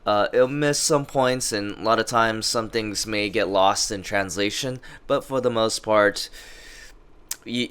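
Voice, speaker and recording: A man vlogging casual advice in a slow, halting way, with many fillers and restarts. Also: fairly low pitch, a bit bright, clear, resonant tone. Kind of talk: casual talking-head advice. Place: lives in Japan. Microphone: interview microphone.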